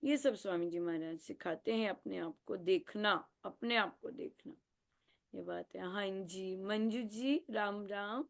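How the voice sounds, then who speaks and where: A woman leading a devotional group talk, animated, acting out quotes and laughing often. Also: medium pitch, unhurried, creaky. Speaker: spiritual group facilitator.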